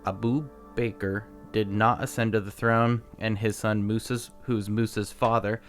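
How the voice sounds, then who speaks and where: A young man with a low voice, co-hosting a casual podcast. He tells the story loosely, reading from his notes, stumbling and laughing over hard names. Faint music plays underneath. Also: level tone, measured pace. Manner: reads facts aloud with stumbles, laughs at his own pronunciations. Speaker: podcast co-host.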